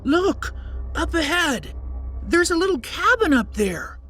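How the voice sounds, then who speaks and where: Storybook boy adventurer, played by a woman: cheerful, eager, lively intonation, unhurried pace, light music underneath. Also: extremely high pitch, full character voice. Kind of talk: children's storytime character acting.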